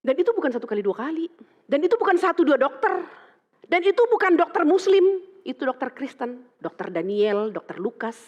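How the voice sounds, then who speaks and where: A middle-aged woman pastor preaching to her congregation, her fairly high voice jumping up as she acts out each exchange. The sound is a bit dull and carries a long reverb from the hall. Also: fairly quick. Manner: animated, acts out dialogue in quoted voices. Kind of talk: sermon with storytelling. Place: church hall.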